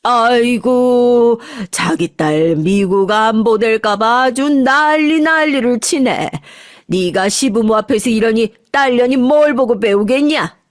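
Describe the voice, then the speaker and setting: A woman's voice: on the high side, slow pace, no echo, clean studio sound. A woman voicing a harsh, spiteful old grandmother who nags and scolds her family. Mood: mocking.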